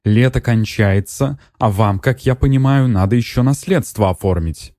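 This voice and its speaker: Casting: impatient middle-aged woman buyer, read by a man, raised pitch, dry sound. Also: normal speed, darkish tone, dry recording, lightly acted. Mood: irritated. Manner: irritated, demanding.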